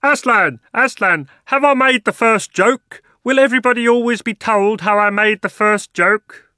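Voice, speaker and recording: A man voicing a perky little male jackdaw bird who talks loudly and eagerly. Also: high-pitched, normal speed, no echo, clean studio sound, pitched above the performer's own voice. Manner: loud, eager, excited.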